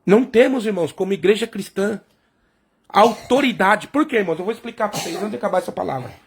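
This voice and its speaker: Here a man with a high voice and a breathy edge preaches at a quick pace. He answers the questions he poses, addressing the congregation again and again as brothers and sisters.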